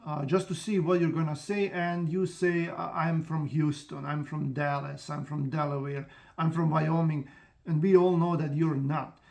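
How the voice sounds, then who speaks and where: A man with as a talks frankly to camera, pitched a little above most men. He rambles, trips over restarts and fills pauses with "uh" as he goes. His tone is casual and direct, like someone explaining his own business. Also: fairly even intonation, creaky, darkish tone. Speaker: trucking company owner and channel host. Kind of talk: casual vlog talk to camera.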